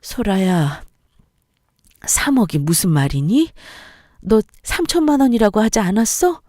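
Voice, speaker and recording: A hurt older mother laments and complains in a plaintive voice, as a woman reads her. The tone is warm and mellow. The sound is dry and close to the mic. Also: medium pitch, big pitch swings, unhurried, dry recording, voice pushed up. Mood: lamenting.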